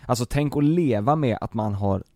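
A man's voice: medium pitch, lively intonation, a little mellow. A man in casual podcast chat, blunt and joking, swearing freely.

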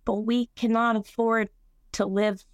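A woman's voice: a little high, little pitch movement, measured pace, no echo. Woman in her 20s, renter, composed plain talk, dry close recording. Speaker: interviewed renter. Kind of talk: interview testimony.

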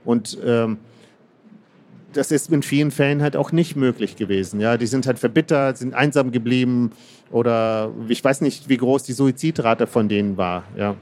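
Thoughtful guy from kazakhstan, author being interviewed, lots of uhs and restarts, middle pitch. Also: normal speed, darkish tone. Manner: thoughtful, hesitant, many fillers and restarts. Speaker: author guest. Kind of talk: interview answers.

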